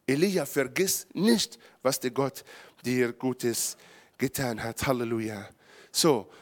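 A man from Israel, a pastor preaching a charismatic sermon in German with grammar slips, building to loud emphatic peaks. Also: mid-range voice.

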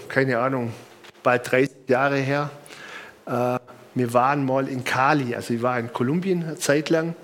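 A mid-range, slightly bright male voice comes through with a little hiss or hum. The middle-aged speaker, from Bamberg, Germany, with a southern German accent, preaches casually, telling personal anecdotes and repeating points emphatically.

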